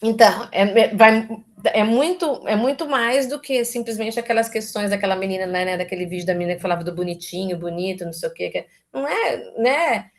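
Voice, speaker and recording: A woman with a Brazilian Portuguese accent giving an informal live lecture as a university lecturer. She keeps adding tag questions and often restarts and corrects herself mid-sentence. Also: a little high. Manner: chatty, constantly adds tag questions.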